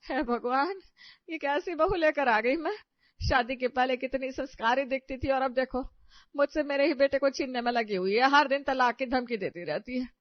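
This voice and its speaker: A woman's voice: high voice, normal speed, no room sound, lightly acted. A woman voicing an aging, long-suffering mother-in-law in a cartoon story, who pleads and scolds in exasperation. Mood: exasperated. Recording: dry, slightly dull audio.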